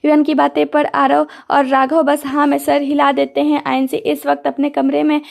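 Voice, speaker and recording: A woman narrating a romantic audio drama story in a steady, even manner. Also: high-pitched, normal speed, creaky.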